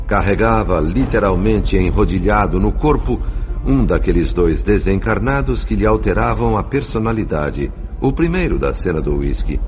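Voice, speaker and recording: A man with a Brazilian accent giving a solemn, measured, scripted dramatic narration of an audio novel. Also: sits low. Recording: muffled audio with music underneath.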